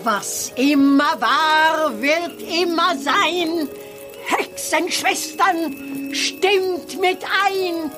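A woman's voice: very high-pitched, extremely slow, heavily acted. Women playing a ceremonial chorus of witch sisters, chanting slightly raggedly in unison in a children's audio drama. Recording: crowded chorus under loud music.

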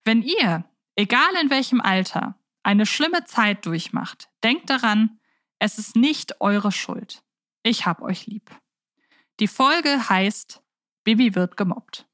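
A woman speaks as a podcast host, with a voice pitched a little high. She moves between casual chat and reading aloud. The sound is dry, with hardly any room on it. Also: expressive, takes it slowly, a bit bright, no echo.

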